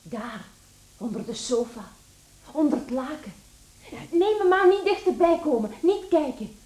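High-voiced dutiful young daughter. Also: female voice, expressive, unhurried, darkish tone, roomy sound. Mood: coaxing. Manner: careful, polite, coaxing. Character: dutiful, protective young daughter, barely grown. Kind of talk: radio play acting.

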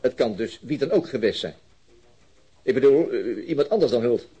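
An actor playing a dogged, politely insistent chief inspector in a radio drama, hesitant and probing. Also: male voice, medium pitch, animated, normal speed, dark tone, slightly rough. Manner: hesitant, probing, trailing questions.

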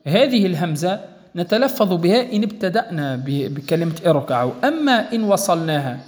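A male teacher giving a recitation lesson, explaining each rule patiently and often pausing to ask whether it is clear. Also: sits high, sing-song, a little mellow, long reverb tail. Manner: patient, repeats points and checks understanding.

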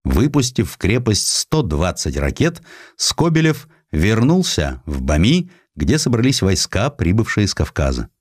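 A man reading a historical essay as an audiobook narrator, in an expressive, measured literary manner with distinct pauses. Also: on the low side, breathy edge, dry recording, studio quality.

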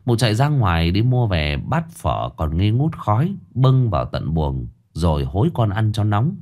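A man's voice: lowish voice, big pitch swings, normal speed, darkish tone. A man narrating a horror story in a dramatic, ominous scripted reading.

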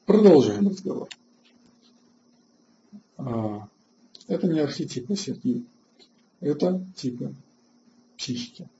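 A man hosting an online webinar lecture, halting with filler sounds and restarts, and answering chat questions between points. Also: fairly high pitch, sing-song, warm tone, muffled recording, slight background noise. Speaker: webinar host.

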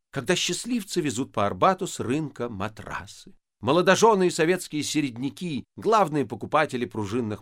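A man narrating a literary audiobook in an expressive, ironic way. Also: fairly high pitch, no room sound, studio quality. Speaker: audiobook reader.

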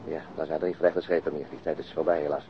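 An actor playing a pensive, plain-spoken police detective in a radio drama, understated and conversational. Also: male voice, rumbling low, flat delivery, very fast. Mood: wistful. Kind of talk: naturalistic radio drama dialogue. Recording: muffled radio drama recording, clear background noise.

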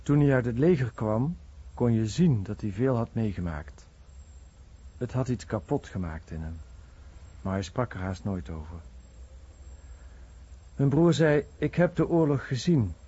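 A man's voice: medium pitch, expressive, unhurried, pauses often, mellow, breathy edge, lo-fi sound. A man playing a veteran's sombre, plain-spoken brother in a radio play. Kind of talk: documentary radio play monologue.

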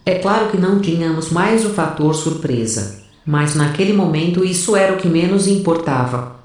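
Casting: actress as resolute soldier-narrator, low female voice, measured and grave, very reverberant audio drama sound. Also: animated, darkish tone, lightly acted. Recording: very echoey, distant from mic.

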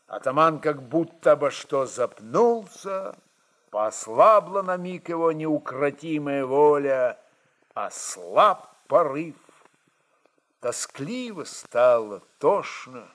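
Slow, higher-pitched male dramatic narrator. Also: a bit bright.

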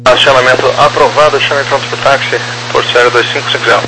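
Guy in the control tower on the radio, short clipped clearances, super noisy channel. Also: medium pitch, steady tone, fast talker. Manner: clipped, procedural. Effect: radio transmission. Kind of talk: air traffic control radio phraseology.

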